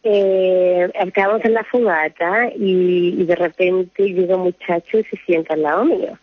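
Woman from Chile, phone caller, husky voice, rambling storyteller, muffled line, faint music. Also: lowish voice, steady tone, moderate pace, no room sound. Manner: chatty, laughs often, rambling story. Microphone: phone call.

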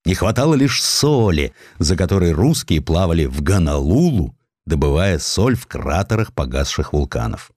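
A man reading scripted historical sketches as an audiobook narrator, in an expressive storytelling manner. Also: deep voice, normal speed, no room sound, clean studio sound.

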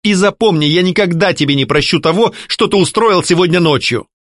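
A proud young mistress of a haunted house, played by a man reading aloud. She mocks and scolds with a sharp, lilting voice that climbs high. The sound is dry and close to the mic. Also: big pitch swings, normal speed, no room sound. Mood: stern. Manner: mocking, scolding, ironic. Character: sharp-tongued young woman, lady of the house. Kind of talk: audiobook character voicing.

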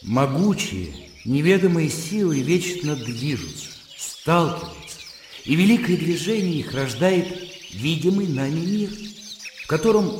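A man's voice: a little high, background noise. An actor playing a thoughtful, reserved man voicing inner thoughts in a radio drama. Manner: reflective, quiet. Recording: roomy reverb with music underneath.

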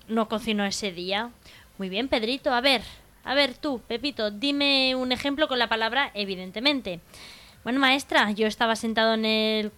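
A woman co-hosting a radio comedy show, telling jokes in an unhurried way and laughing easily. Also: fairly high pitch, a bit bright, smooth.

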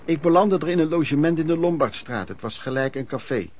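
A man's voice: a little high, lively intonation, brisk, darkish tone. An actor in a Dutch radio play playing a wry, plain-spoken pedlar recounting his wanderings. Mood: matter-of-fact. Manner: colloquial, matter-of-fact storytelling. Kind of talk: dramatised first-person narration.

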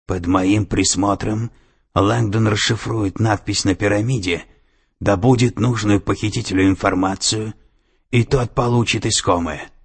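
A man's voice: on the low side, steady tone, unhurried, breathy edge, voice pushed up. A man voicing a cold, domineering female security director, with an icy, commanding and menacing manner. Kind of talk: audiobook character voice.

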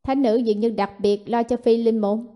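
A woman voicing an aged male elder in blue robes who speaks in a slow, measured murmur. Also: fairly high pitch, steady tone, warm tone, faint music behind, close to an everyday voice. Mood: grave.

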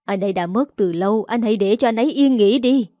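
A woman reading a story and voicing a gentle wife who pleads with her drunk husband. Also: mid-range voice, quick pace, dry recording, clean studio sound, close to an everyday voice. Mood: pleading. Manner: pleading, hurt. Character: gentle, wronged young wife.

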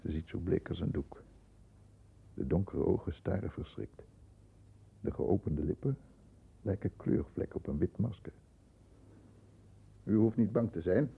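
Low, very dark-voiced composed lawyer. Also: male voice, gravelly, husky, full character voice, poor audio. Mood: tense, hushed narration. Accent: Netherlands Dutch. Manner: measured, deliberate, formal. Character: composed middle-class lawyer, protective older brother, narrating. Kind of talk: 1960s Dutch radio play, first-person narration and dialogue.

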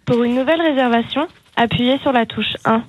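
A woman's recorded voice on an automated phone menu, heard over the phone line, announcing prompts in a measured way. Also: fairly high pitch, crowd noise.

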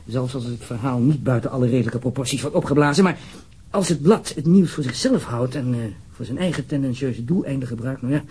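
A man's voice: mid-range voice, a little fast, a little mellow, breathy edge. A man with a Netherlands Dutch accent playing an uneasy, formal government official in a radio drama, wordy and hesitant. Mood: uneasy, grave.

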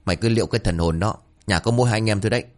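A man's voice: lowish voice, very fast, natural voice. A man voicing a frantic middle-aged village mother who scolds her son and stammers in alarm. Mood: scolding.

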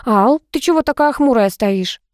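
A woman's voice: fairly high pitch, animated, normal speed, no room sound, pitched above the performer's own voice, lightly acted. A woman voicing a curious, chatty young woman student who keeps asking questions, in a dry recording. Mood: eager. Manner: eager, questioning.

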